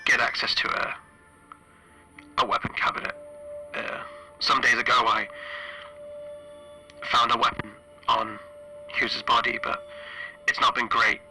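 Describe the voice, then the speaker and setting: A man playing a frightened, stranded spaceship engineer recording an audio log for a horror roleplay, halting and stammering through a radio filter. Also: medium pitch, little pitch movement, pushed and bright, soft background music, poor audio. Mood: uneasy musing. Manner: halting, stammering, anxious repetitions. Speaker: solo tabletop roleplayer.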